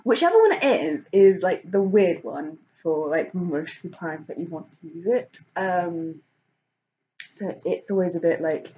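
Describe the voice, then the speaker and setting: A woman's voice: lowish voice, expressive, measured pace, dark tone, dull audio. A woman vlogging casually, rambling with many fillers and restarts and laughing often. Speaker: vlogger and author. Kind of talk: casual chat.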